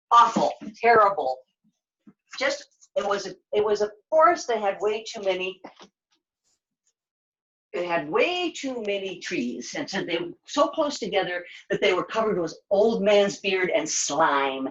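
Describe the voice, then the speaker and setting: A woman puppeteer telling a children's story live, with dramatic emphasis and deliberate repetition. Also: medium pitch, a bit bright, lo-fi sound.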